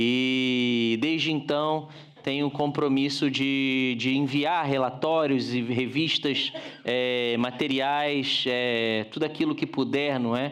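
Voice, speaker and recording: A man with a Brazilian accent speaks very slowly at a medium pitch, in a flat monotone at very even loudness, with audible room echo. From Brazil, Rio de Janeiro. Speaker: missionary preacher. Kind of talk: sermon. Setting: church. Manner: halting.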